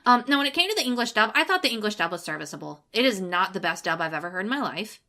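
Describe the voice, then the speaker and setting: A woman's voice: mid-range voice, big pitch swings, very fast, pushed and bright. A woman co-hosting a casual podcast, talking expressively with lots of "like". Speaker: podcast co-host.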